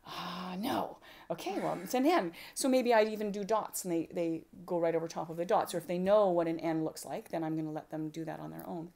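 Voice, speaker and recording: A woman with a somewhat low voice leads an informal teaching session for a group of homeschooling parents. She talks in a lively, conversational way and slips into short play-acted exchanges between parent and child. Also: quick pace, gravelly, few pauses. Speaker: homeschooling workshop presenter.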